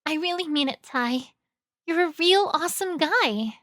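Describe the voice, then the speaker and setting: A woman's voice: extremely high pitch, animated, a little slow, fairly bright tone, no echo, clean studio sound, heavily acted. A woman playing a sweet, earnest, affectionate young love interest in a fan fiction audio drama, speaking tenderly and sincerely.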